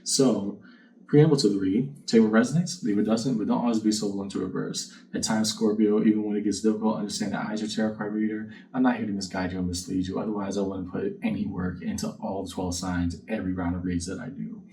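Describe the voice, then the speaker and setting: A man's voice: lowish voice, steady tone, fast, gravelly, warm tone. A man hosting a casual tarot reading, talking to the viewer in a conversational, reflective way. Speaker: tarot card reader and channel host. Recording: distant mic with faint background noise.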